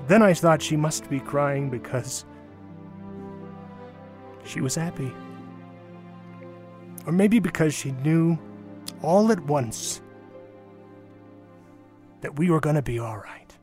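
A man reading a nostalgic memoir aloud as a storyteller, in a dramatic, measured way with deliberate pauses and emphasis. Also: on the high side, animated, a little mellow, faint music behind.

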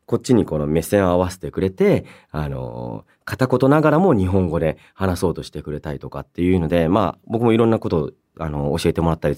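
A man hosting a radio show on his own, reading listener mail and chatting in polite, expressive speech with emphatic reactions and softer asides. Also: low-pitched. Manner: polite conversational phrasing.

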